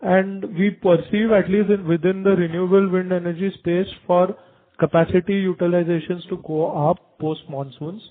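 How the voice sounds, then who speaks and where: A man with an Indian accent answering as a company executive on an earnings call, in long, haltingly phrased explanations. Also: high voice, fairly even intonation. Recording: narrow tinny conference phone line.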